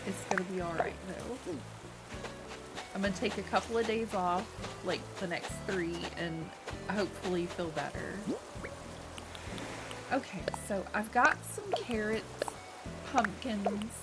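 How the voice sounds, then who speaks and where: Slow-talking nasal woman streamer. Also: mid-range voice. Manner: chatty, friendly, thanks chat often, laughs a lot. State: slightly nasal from a cold. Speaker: game streamer. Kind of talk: casual live-stream chat while playing. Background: loud game music.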